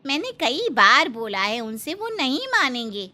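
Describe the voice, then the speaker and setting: A woman's voice: high-pitched, big pitch swings, a little slow, pushed and bright, heavily acted. A woman voicing a meek, timid young daughter-in-law in a cartoon, resigned in tone.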